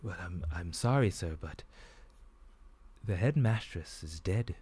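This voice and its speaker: A man's voice: low-pitched, lively intonation, slow, darkish tone, breathy edge, full character voice. A man voicing a thin, somber male elf dean who stammers and apologizes in a flustered way.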